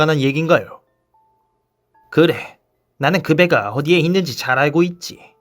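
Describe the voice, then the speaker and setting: Music plays in the background as a man speaks at a fairly high pitch. His pace is moderate and his pitch variation ordinary. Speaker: audiobook narrator. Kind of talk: audiobook reading of a classic detective novel.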